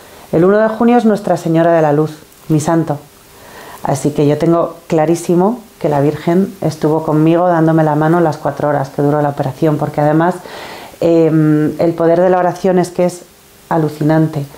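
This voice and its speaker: Very even in loudness, a woman speaks with a very deep, low pitch. Her pace is moderate and her intonation fairly even. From Spain (Salamanca, then Madrid from age 12); Spain. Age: 40s. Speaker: cancer patient sharing faith testimony. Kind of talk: testimony. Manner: hesitant, many fillers and repetitions. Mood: earnest, emotional. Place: studio. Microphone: lapel.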